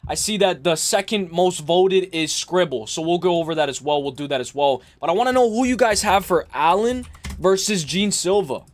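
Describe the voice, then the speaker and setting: A man hosting a live stream, chatting loosely with his viewers and rambling through quick asides. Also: high voice, animated. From Spain. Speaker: livestream host. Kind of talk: casual live stream chat.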